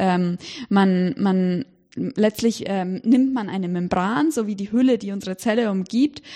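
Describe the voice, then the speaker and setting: A woman speaks at a fairly slow pace with a dark, mellow tone and medium pitch. Her pitch varies in an ordinary way. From Germany, Erlangen (Franconia). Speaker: scientist, synthetic biology researcher. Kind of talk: interview, casual chat.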